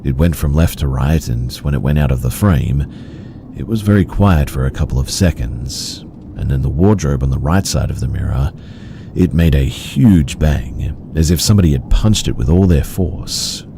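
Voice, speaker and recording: Very deep gravelly male narrator. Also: lively intonation, normal speed, background noise. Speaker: horror story narrator. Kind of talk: scripted narration of first-person horror stories.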